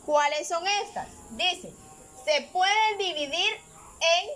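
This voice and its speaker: A woman teacher walks through a recorded grammar lesson in a high voice. She speaks slowly and patiently, with filler pauses, and keeps checking that her listeners are following. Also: slight background noise. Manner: patient, explains step by step, checks in with frequent tags.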